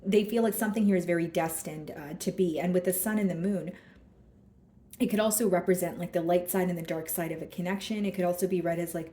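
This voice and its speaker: Hoarse woman reading tarot in an echoey room. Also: lowish voice, dark tone. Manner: thinks aloud while drawing cards, speaking straight to viewers. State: hoarse, losing her voice. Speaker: tarot card reader. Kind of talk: casual tarot reading to camera.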